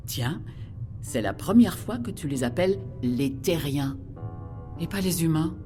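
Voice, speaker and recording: A woman's voice: low voice, lively intonation, a little slow. A woman playing a curious, caring listener in a futuristic audio drama, inquisitive and informal, with music behind.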